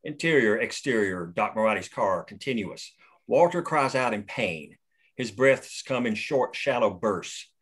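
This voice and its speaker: A man reading the stage directions aloud at a script table read in a steady, plain way. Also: fairly low pitch, a little slow, slightly rough.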